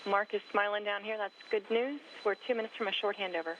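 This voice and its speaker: A woman's voice: medium pitch, steady tone, fast talker, dull audio. Mission control lady on sci-fi style radio comms, short clipped replies, hissy signal. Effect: radio transmission. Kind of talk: clipped space radio communication, like a sci-fi communicator. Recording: hissy, noisy radio link.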